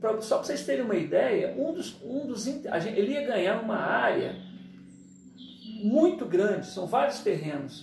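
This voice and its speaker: Noticeable background noise and audible room echo both run through the clip. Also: man. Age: 60s. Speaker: spiritist medium session host. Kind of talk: casual chat. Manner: halting.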